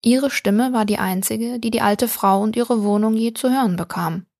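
A woman reading a short story aloud as an audiobook narrator, calm and even, close to the mic. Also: on the high side, moderate pace, dry recording. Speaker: audiobook reader. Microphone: close studio mic.

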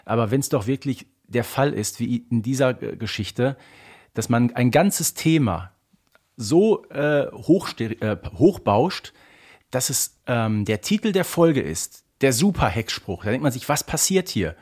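A man's voice: medium pitch, animated, measured pace, darkish tone, slightly rough. A man co-hosting a podcast, talking casually and emphatically in a mock-exasperated rant. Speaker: podcast co-host. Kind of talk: casual discussion of an audio drama series.

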